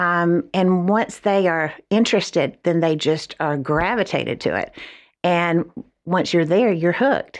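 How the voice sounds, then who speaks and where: A woman talks at a fairly slow pace in a fairly low pitch, with an ordinary speaking voice and ordinary pitch variation. Her loudness stays very even against a quiet background. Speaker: Montessori school representative. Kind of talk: radio interview. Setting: studio.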